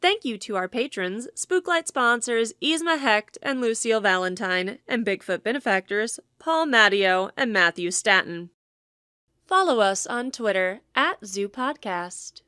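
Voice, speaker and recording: A woman delivers scripted podcast credits as an announcer. Her voice is a little higher than average. The recording is dry, with very little room sound. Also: animated, unhurried, bright, forceful tone, clean tone, no echo.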